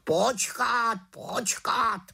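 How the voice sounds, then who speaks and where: Woman doing a bossy raven guy, scolding, clipped, a bit raspy. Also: on the high side, pushed and bright, pitched above the performer's own voice, exaggerated voice. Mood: warning. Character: scolding male raven, stern and cautious. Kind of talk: storybook character voice.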